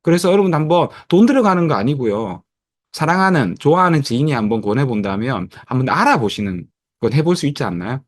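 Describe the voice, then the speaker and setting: Man, 50s, motivational speaker, lively pitch, dry close mic, lots of "uh" and "yeah". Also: fast talker, no echo. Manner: lively storytelling with many fillers, acting out past dialogue. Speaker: network marketing presenter. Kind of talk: motivational presentation over a video call.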